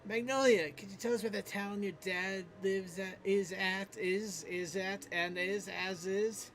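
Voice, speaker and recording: High-pitched man, halting comedic read. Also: fairly even intonation, a bit bright, slight background noise. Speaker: podcast cast member. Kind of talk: comedic character read with casual asides.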